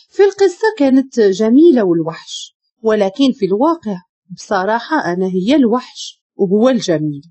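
A woman with a Moroccan Arabic accent narrating a dramatic story in an expressive, emotional way. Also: fairly high pitch, breathy edge, dry recording.

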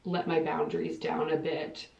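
A woman's voice: low-pitched, little pitch movement, moderate pace, creaky, darkish tone. A woman in her late twenties from Ohio, talking casually to camera in a rambling, chatty vlog style, filling her sentences with "like". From Ohio, United States. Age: 20s. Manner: chatty and rambling, frequent filler "like". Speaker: vlogger. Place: small bathroom, indoors. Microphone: camera mic a few feet away. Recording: echoey bathroom, distant dull camera audio.

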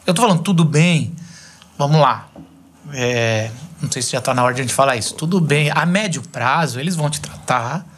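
A man in his thirties from Brazil, hosting a podcast in a small studio at a boom mic, chatting casually and gesturing as he tells stories. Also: a little fast. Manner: animated, gesturing storyteller. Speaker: podcast host. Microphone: boom mic on desk arm.

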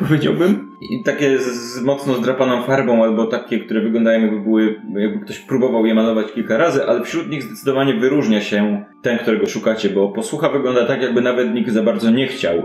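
Male game master, lowish voice, conversational narration, roomy room sound, faint music. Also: a little mellow. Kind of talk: improvised narration of a tabletop game.

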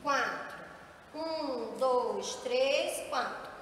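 A woman teacher explains a board game to young children, counting aloud slowly and gently encouraging them. Her voice is high-pitched. She was recorded from some distance in an echoey room, and there is heavy background noise.

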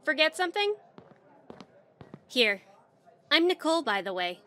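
A woman plays a flirty, friendly waitress in a comic dub. She sounds high and bright, with a bouncy range and music behind her. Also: sing-song, unhurried, full character voice. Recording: music bed under the voice.

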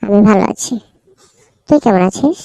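A woman's voice: mid-range voice, expressive, moderate pace, creaky, warm tone, dry recording, rough recording. A woman voicing a teasing, bossy but caring cartoon friend in a casual, familiar, nudging way. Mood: friendly. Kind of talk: cartoon dialogue.

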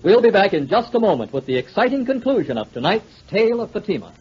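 A male 1940s radio announcer with a high, animated voice. He speaks quickly. Loud music plays behind him on a muffled old recording.

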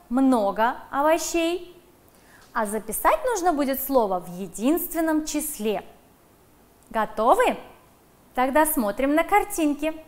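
On a televised primary school lesson, a woman talks directly to the children. Her high voice is animated and covers a wide range, and she slows right down to sound out dictation words with clear emphasis.

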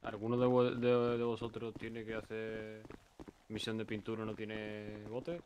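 A man's voice: lowish voice, completely flat delivery, measured pace, darkish tone, lo-fi sound, a little hiss or hum. A man with an accent from Spain, chatting casually and colloquially as a player in an online game. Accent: Spanish, from Spain. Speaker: online roleplay gamer.

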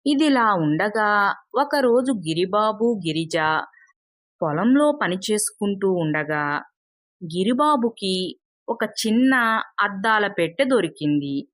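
A woman tells a moral folk tale at a very slow, measured pace. Her voice is pitched in an ordinary middle range. It sits dry and close to the mic with no room sound. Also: expressive, no echo. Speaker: storyteller. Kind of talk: scripted narration of a moral tale.

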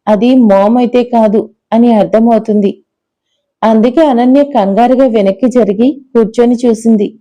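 A woman storyteller giving expressive, dramatic scripted narration of an audio love story. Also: fairly high pitch, highs cut off.

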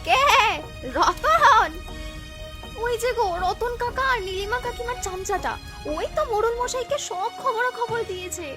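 A woman voicing a feisty young village woman who runs a shop, sharp-tongued and scolding, for a cartoon. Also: very high-pitched, measured pace. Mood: defiant. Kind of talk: cartoon voice acting. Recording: faint music behind.

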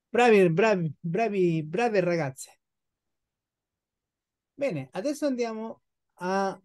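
Slow, patient woman teaching Italian. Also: medium pitch, darkish tone. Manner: slow, patient, repeats and models words. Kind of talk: online language lesson.

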